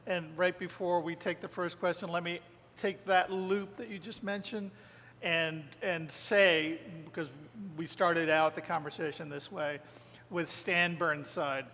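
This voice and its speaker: A man's voice: fairly high pitch, pushed and bright. A man moderating an on-stage conversation, asking long, hesitant questions and inviting the audience to ask. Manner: rambling, hesitant phrasing. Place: lecture hall with audience. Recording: reverberant hall, faint noise.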